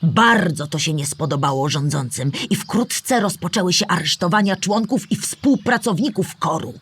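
A woman playing a knowledgeable storyteller character, narrating history in a measured, explanatory way with a husky voice. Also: lowish voice, animated. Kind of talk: scripted educational narration.

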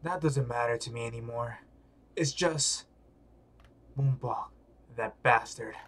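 Brooding, bitter comic-book man, acted by a male reader, weary, subdued, pitched down, slow. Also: a bit bright. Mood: brooding, resentful.

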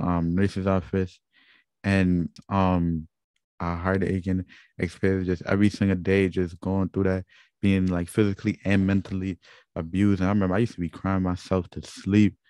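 Deep, flat-voiced Guyanese young man. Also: no echo. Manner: earnest, reflective, many fillers and restarts. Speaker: channel host. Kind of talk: personal testimony vlog.

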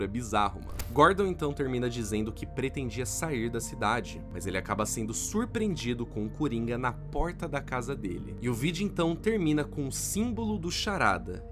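A man's voice: medium pitch, fairly bright tone. A young adult man with a Brazilian accent, giving a casual, colloquial video commentary and story recap as a YouTube host. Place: small indoor room lined with figurines. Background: background music.

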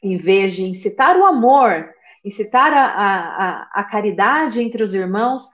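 A woman delivers a religious lecture over a video call, her voice at a middle pitch. She leans on frequent tag questions and repeats her phrases for emphasis, pausing to read passages aloud. The audio comes through muffled and lo-fi. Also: lively intonation. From Brazil. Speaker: lecturer at a spiritist center. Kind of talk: religious lecture given online.

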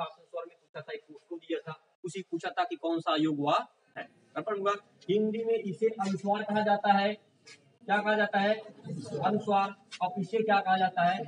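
A man's voice: sits high, far from the mic, poor audio. A male teacher giving an exam-prep lecture in a classroom. He asks the class questions, answers them himself, and keeps checking that they have understood.

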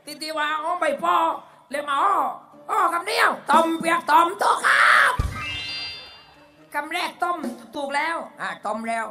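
A man voicing a rowdy, crude male village clown in a live shadow-puppet comedy, speaking with a Southern Thai accent, shouting and laughing through rapid-fire guesses. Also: very high-pitched, lively intonation, heavily acted. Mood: boisterous. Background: live folk music band.

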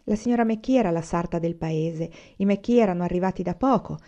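A woman narrating a storybook in a calm, even reading voice. Her tone is low, dark and mellow. The audio is dull and lo-fi. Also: a little fast.

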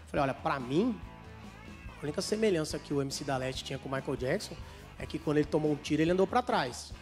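A man's voice: on the high side, expressive, fast, over music. A Brazilian man in his thirties with an Espírito Santo accent, telling stand-up stories and acting out both sides of the dialogues. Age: 30s. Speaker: stand-up comedian. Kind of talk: stand-up storytelling.

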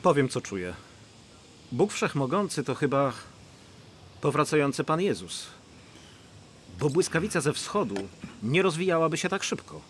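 A man's voice: on the high side, very animated, normal speed, long pauses, a bit bright, slight background noise. A middle-aged man dubbing the role of an anxious pastor in a film. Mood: troubled. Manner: anxious, troubled.

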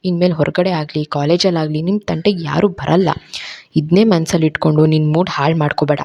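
A woman's voice: deep voice, fairly even intonation, brisk, dark tone, lo-fi sound. A woman voicing a protective young man who talks in a firm, assuring way.

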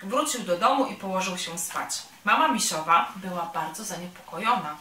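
A woman reading a children's story aloud at a cultural centre workshop in a calm, gentle, unhurried way. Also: mid-range voice. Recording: roomy sound from a distant mic.

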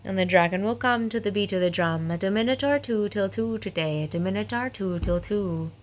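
A young adult woman reciting tongue-twister vocal warm-ups in a rhythmic, playful way with deliberate enunciation, recorded on a phone at arm's length. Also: medium pitch. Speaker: voice performer recording a sample reel.

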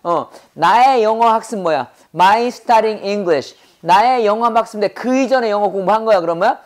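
A woman teaching an English grammar class with a Korean accent, quizzing students with constant questions and saying English phrases slowly for them to repeat. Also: mid-range voice.

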